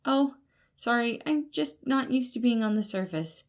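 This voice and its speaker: Woman voicing a high-pitched, earnest, eager young man. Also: lively intonation, unhurried. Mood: flustered. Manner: bubbly, hesitant, apologetic.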